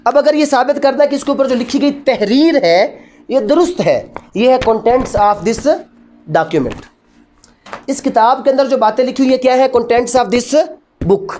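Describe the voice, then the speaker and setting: A man's voice: extremely high pitch, a little slow, darkish tone, slight background noise. A man with a Pakistani accent giving a didactic law lecture, mixing in English terms and answering his own questions.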